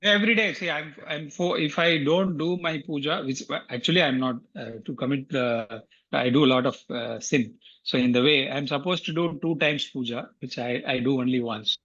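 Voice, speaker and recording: A man's voice: mid-range voice, normal speed, fairly bright tone, muffled recording. A man from Tamil Nadu speaking as a guest, explaining earnestly and often repeating himself. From Tamil Nadu, India. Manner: earnest, repeats words, frequent fillers. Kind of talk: casual explanatory talk on an online call.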